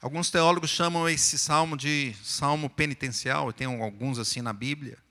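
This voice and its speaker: A Brazilian pastor delivers a sermon with a bright, forceful voice. His words carry a long reverb through the church hall. He talks in a relaxed, explanatory manner. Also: on the high side, moderate pace. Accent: Brazilian Portuguese. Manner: sings and chants psalm verses, then explains them plainly. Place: church sanctuary.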